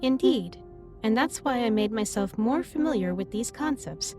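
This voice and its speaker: A caring female alien captain acted by a woman speaks in a fairly high voice with formal, measured phrasing. She is gentle and reassuring, as in an intimate sci-fi roleplay drama. Music plays behind her. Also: lively intonation, lightly acted. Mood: solemn, supportive. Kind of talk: scripted roleplay audio drama, intimate comforting monologue. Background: ambient music.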